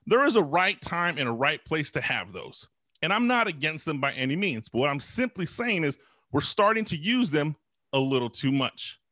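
American guy coaching salespeople, kinda high voice, really animated and punchy, close dry mic. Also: dry recording. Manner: emphatic, deliberate, repeats phrases for stress. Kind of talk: direct-to-camera sales talk, motivational. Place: small home office, indoors. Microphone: close desk microphone.

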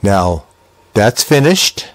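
A man's voice: lowish voice, very animated, drawn-out words. Older American man giving a tutorial. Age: older, around 60s. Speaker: video tutorial presenter. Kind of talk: step-by-step software tutorial, conversational.

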